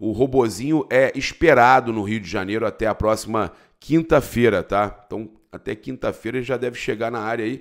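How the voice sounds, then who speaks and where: Against a quiet background, a man with an unremarkable speaking voice talks at a moderate pace with a medium pitch and ordinary pitch variation. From Brazil. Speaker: football news youtuber. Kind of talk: casual sports news commentary. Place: home room. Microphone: studio mic.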